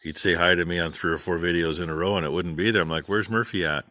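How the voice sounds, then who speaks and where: Folksy middle-aged farmer man, deep voice, dry close sound, casual rambling chat. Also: flat delivery, quick pace, bright, forceful tone, no echo. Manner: folksy, rambling, plain-spoken. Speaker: farm channel vlogger. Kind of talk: casual rambling shout-outs.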